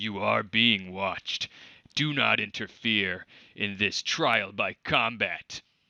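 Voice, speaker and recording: A man growls in a put-on character voice, fairly low and fairly slow, with a dry, close sound with no echo over a quiet background. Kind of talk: mock-heroic fantasy speech. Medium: actual play. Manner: grandiose, formal, refers to himself in third person.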